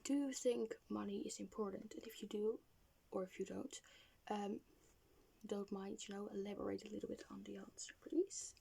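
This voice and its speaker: A woman whispering softly in an ASMR therapist roleplay, breathy and creaky, gently and hesitantly asking questions. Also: mid-range voice, fairly even intonation, moderate pace.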